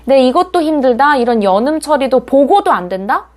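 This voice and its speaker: A woman teaching an online English lesson with a fairly high, very lively voice. She explains eagerly and repeats English example phrases slowly and clearly, sentence by sentence.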